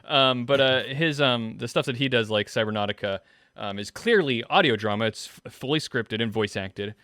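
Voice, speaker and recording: Casual man hosting, halting delivery. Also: mid-range voice, fairly bright tone, dry recording, clean studio sound. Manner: halting, thinking aloud. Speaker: host. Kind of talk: casual panel discussion.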